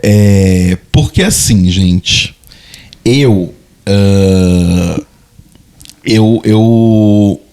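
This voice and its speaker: A Brazilian man in his thirties talks things over on his podcast in a slightly low voice. He speaks in a reflective, halting way and circles back over his own words. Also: a little mellow, smooth. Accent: Brazilian Portuguese. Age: 30s. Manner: reflective, hesitant, repeats words while searching for them. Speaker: podcast co-host. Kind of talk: casual chat.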